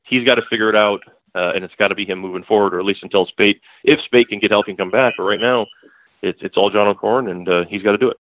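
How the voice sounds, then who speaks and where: A man's voice: lowish voice, fast talker, no echo. A man, a beat writer on the show as a guest, breaks down a football game in casual, rambling talk full of restarts and fillers, calling in by phone. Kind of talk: casual sports analysis. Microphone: phone call. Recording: tinny dry phone line.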